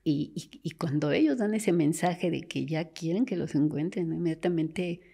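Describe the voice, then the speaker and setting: Woman, storytelling guest, low pitch, raspy fry. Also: normal speed, mellow. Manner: acts out quoted voices, drops to a whisper at times. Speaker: forensic doctor guest. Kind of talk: storytelling in conversation.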